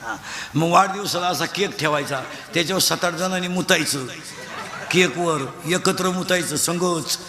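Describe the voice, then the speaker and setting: A man's voice: on the high side, moderate pace, crowd noise. A man preaching a comic devotional kirtan, telling stories and mocking in acted voices. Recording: echoey hall sound.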